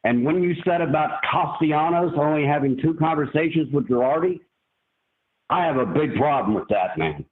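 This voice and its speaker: A man's voice: a little high, expressive, moderate pace. A man calling in to a live show, heard over a phone line, talking in a rambling, candid way with fillers. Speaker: caller to a live fan show. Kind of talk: casual call-in chat.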